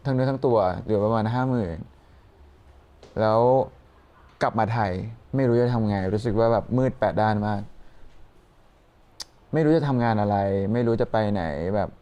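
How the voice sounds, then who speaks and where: A young man, a guest, telling a personal story in halting sentences full of fillers. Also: mid-range voice, mellow. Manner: hesitant, halting with many fillers.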